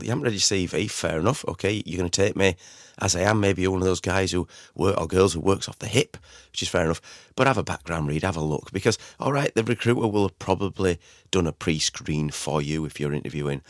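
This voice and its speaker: A middle-aged man hosts an informal solo podcast in a deep voice with a slight croak. He talks conversationally and rambles, circling back over his phrases. The sound is dry, with no room echo. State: recovering from a croaky voice. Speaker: podcast host.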